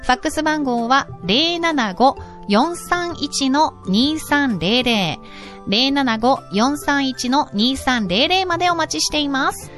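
A woman from Georgia in the US hosts a radio English corner in a high, light voice. She explains phrases gently and patiently, like a teacher, and faint music plays softly behind her. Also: expressive. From Georgia, United States. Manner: gentle, teacherly, reads announcements slowly. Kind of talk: casual radio chat.

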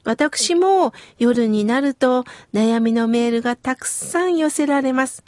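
A middle-aged woman from Kitakyushu giving gentle, slow, explanatory advice in a scripted talk. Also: sits high, lively intonation, no echo. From Kitakyushu, Japan.

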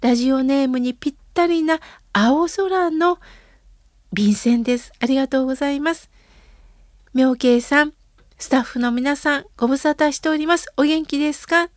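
High-voiced woman reading listener letters. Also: moderate pace, no echo, clean studio sound. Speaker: radio host and temple priest.

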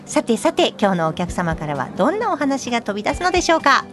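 A woman's voice: on the high side, very animated, fast. A woman giving a cheerful scripted narration as the show's intro. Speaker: show narrator. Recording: narration over background music.

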